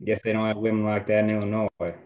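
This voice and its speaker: A man's voice: on the low side, completely flat delivery, fast, muffled recording, close to an everyday voice. A man reading the part of a dry, folksy small-town tough in a drama table read.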